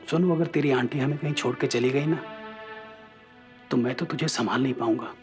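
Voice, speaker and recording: A man's voice: medium pitch, husky. An actor in a TV serial playing a doting, teasing father with a wistful side. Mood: tender, wistful. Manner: teasing, theatrical, mock-formal with the child. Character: playful, doting father of a young child, secretly wistful. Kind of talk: Hindi TV serial drama acting.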